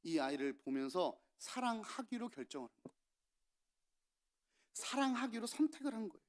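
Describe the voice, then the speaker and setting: A male pastor preaching a sermon, telling stories with lively acted-out lines of parents and children. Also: high voice, normal speed. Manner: animated storytelling, acting out parents and children.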